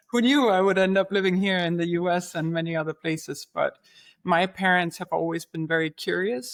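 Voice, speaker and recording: A woman from Denmark speaks as a podcast guest from her language. She answers in a conversational interview style, as an executive talking about herself. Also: fairly low pitch. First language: Danish.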